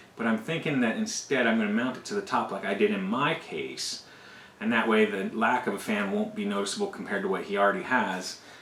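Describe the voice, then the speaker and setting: A man talking at a very fast pace amid noticeable background noise and audible room echo. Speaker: tech YouTuber. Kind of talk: unboxing video. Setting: at home. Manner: lowered voice; casual.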